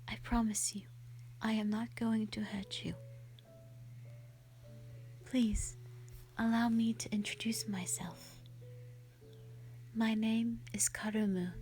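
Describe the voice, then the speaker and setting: A woman voicing a gentle, lonely female white dragon in a roleplay audio drama, speaking softly and breathily in a sweet, formal, hesitant way. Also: a little high, level tone, slow, pauses often, soft background music. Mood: gentle, reassuring. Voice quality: soft, breathy, often whispery.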